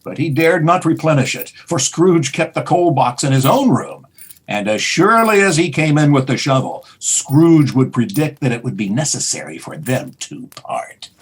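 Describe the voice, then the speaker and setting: A man narrating a classic story theatrically, dropping at times into hushed tones. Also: fairly high pitch, lively intonation, normal speed. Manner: theatrical, with hushed breathy drops.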